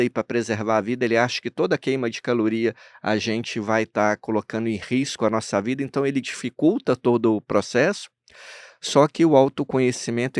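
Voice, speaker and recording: A man's voice: mid-range voice, no room sound. A Brazilian therapist hosting a podcast conversation, speaking in a mid-range voice that sits close and dry in the mic. He explains patiently and keeps checking in with his listener. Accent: Brazilian Portuguese. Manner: explanatory, frequent "né?" tag questions. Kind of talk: conversational interview.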